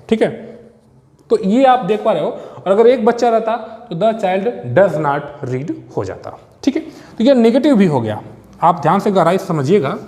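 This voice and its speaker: A male teacher giving an exam-prep grammar lesson, explaining step by step and checking that students follow, slowing down to spell out example sentences word by word. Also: high voice, darkish tone, in a large hall.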